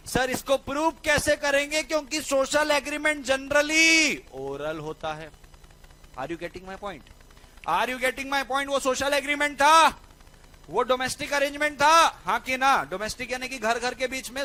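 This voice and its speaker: Bright, high-voiced male law tutor. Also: poor audio. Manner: lively, keeps asking "right or not?". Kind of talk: lecture with a personal story.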